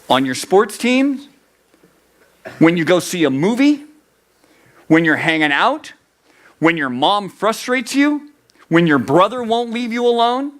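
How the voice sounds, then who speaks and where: A young man preaching a youth sermon, animated, acting out the inner voices of his listeners. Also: high voice. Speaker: youth pastor.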